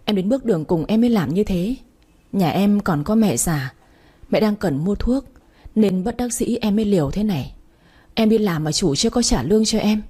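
A woman's voice: medium pitch, animated, moderate pace, mellow, breathy edge. A woman voicing a desperate young male street thief in a spoken story, begging and tearful. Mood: pleading.

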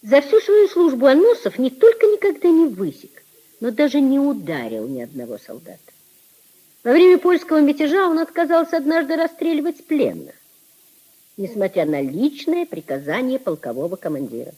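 A woman narrating a 1950s radio play in an expressive, declamatory reading style. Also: sits high, normal speed, poor audio.

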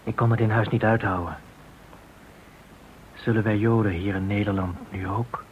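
A man's voice: lowish voice, steady tone, normal speed, close to an everyday voice. An actor playing an anxious Jewish man in a radio drama, speaking in an uneasy, hesitant way. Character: anxious, less devout Jewish man in occupied Amsterdam. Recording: thin phone-like old radio recording, slight hiss.

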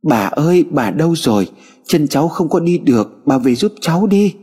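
A man voicing a gentle little orphan girl in an audio story, with a childlike, raised voice. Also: mid-range voice, very animated, moderate pace, husky. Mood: sobbing. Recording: hall reverb with music bed.

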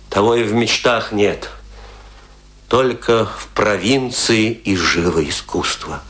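An actor playing a boastful, scornful provincial tragedian in a radio play, telling his tales theatrically with emphatic, pointed pauses. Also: mid-range voice, a bit bright, lightly acted. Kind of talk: dramatic radio play monologue.

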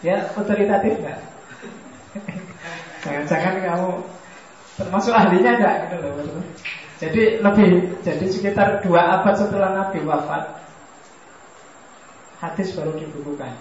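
A man teaches in a mosque hall, keeping the talk loose and joking and turning questions back to the listeners. His voice sits a little high and reaches the mic from a distance. Strong hall echo and a faint hiss hang around every word. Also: moderate pace, long pauses, muffled recording. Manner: relaxed, joking, questions the audience. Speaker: philosophy lecturer. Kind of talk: religious study lecture.

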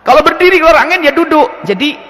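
A man preaching and answering religious questions in a lively, animated way, acting out little scenes as he explains. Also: fast, big-room sound. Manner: lively, animated, acts out scenes with sudden pitch jumps. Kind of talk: religious Q&A lecture.

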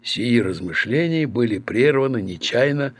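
A man narrating classic literature for a radio drama in a measured, theatrical storytelling manner. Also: medium pitch, expressive. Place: dry radio studio.

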